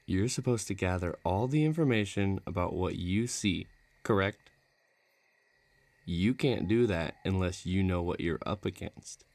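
A man's voice: low voice, expressive, measured pace, a little mellow, dry recording. A man playing a menacing, bloodthirsty villain who taunts and threatens in an audio roleplay. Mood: taunting, eager. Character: menacing bloodthirsty male villain craving a duel.

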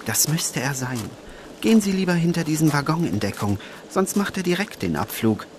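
Reluctant partner, male actor: exasperated, sarcastic grumbler, crime audio drama, very animated intonation, noisy surroundings. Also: on the high side, moderate pace. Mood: flustered, irritated. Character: flustered, exasperated man caught up in crime. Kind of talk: German crime radio play acting.

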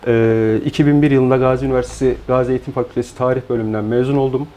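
A man in his forties, born in Turkey, answering interview questions in a measured, explanatory way with frequent hesitant fillers. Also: mid-range voice, steady tone, warm tone. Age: 40s. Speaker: guest, founder of an online shop.

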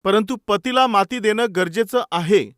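A man's voice: high-pitched, normal speed, a bit bright, dry recording, studio quality. A man preaching a sermon with stories. He is emphatic, asks his listeners rhetorical questions and acts out the dialogue. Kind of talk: sermon with storytelling.

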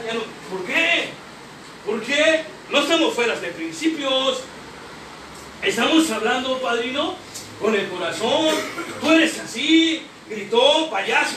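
A man's voice: very high voice, bright, forceful tone, distant mic. A man with a Mexican accent giving an impassioned testimony at a recovery group meeting, profane and rhetorical, peppering every line with slang and a questioning "eh?". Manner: profane, rhetorical, keeps tagging lines with slang and "eh?". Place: meeting hall. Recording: echoey hall, recorded from afar, noisy.

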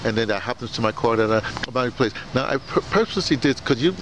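A man's voice: medium pitch, animated, rapid-fire. A man interviewing someone in a casual, rambling way, often stammering and repeating words and phrases. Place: outdoors beside a building. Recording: noisy outdoor camera sound, urban ambience.

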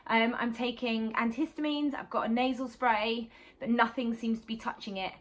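A sewing vlogger and teacher in her thirties chats to a camera at desk distance in her small home sewing room, rambling loosely through her projects with lots of "um"s in a catch-up vlog. Her voice is a little high, with a slight sore-throat roughness, fairly even intonation, and a moderate pace.

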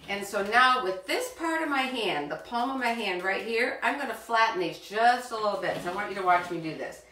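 In her home kitchen, a middle-aged woman hosts a live kids' cooking demo, talking straight to the children in a chatty, encouraging manner. Her mid-range voice is bright and forceful, brisk, with lively intonation. The far camera records roomy, distant kitchen sound with slight background noise.

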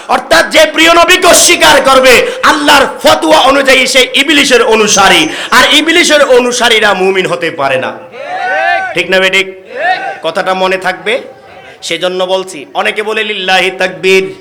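A man's voice: sits high, expressive, moderate pace, pushed and bright. A man from Bangladesh preaching a sermon, calling out to the gathering for responses. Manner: calls out to the crowd for responses. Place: religious gathering.

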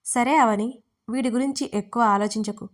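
A woman voicing a calm, reassuring male friend in an audio story, barely changing her own voice. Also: on the high side, normal speed, close to an everyday voice. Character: calm man, protective friend.

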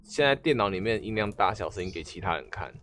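A man's voice: on the low side, expressive, quick pace, fairly bright tone, soft background music. A man with a Taiwanese Mandarin accent chatting casually on a live game stream, asking viewers questions and often trailing off and restarting.

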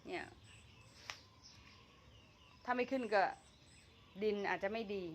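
A woman's voice: medium pitch, slow pace, slight background noise. A woman vlogging about her home vegetable garden, chatting casually and talking to herself as she works. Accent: Thai. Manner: chatty, talks to herself while working, frequent fillers and laughs. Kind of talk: casual gardening vlog narration.

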